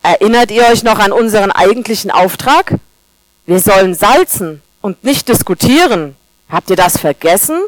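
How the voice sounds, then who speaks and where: A woman voicing an agitated salt grain in a storybook tale read aloud during a sermon, speaking forcefully to the others. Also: mid-range voice, expressive, normal speed, dry recording, close to an everyday voice. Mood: indignant. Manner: forceful, exhorting. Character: fed-up salt grain who roars for quiet.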